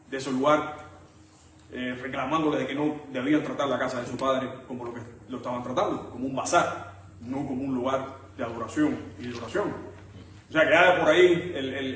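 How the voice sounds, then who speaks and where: Puerto Rican preacher in an echoing hall. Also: male voice, medium pitch, a little hiss or hum. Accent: Puerto Rican Spanish. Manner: measured, with frequent pauses and restarts. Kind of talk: sermon. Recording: echoey hall, mic at a distance.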